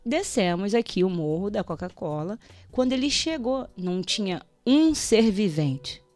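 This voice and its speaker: A woman speaking as a guest on a Christian radio show, telling a personal testimony with animated storytelling, acting out prayers and conversations and laughing often. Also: medium pitch, a little slow, faint music behind. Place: radio studio.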